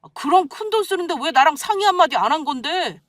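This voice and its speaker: Indignant whiny husband, read by a woman, high voice, shrill complaining outbursts, dry close sound. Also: animated, moderate pace, a bit bright, no echo, far from the mic. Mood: angry.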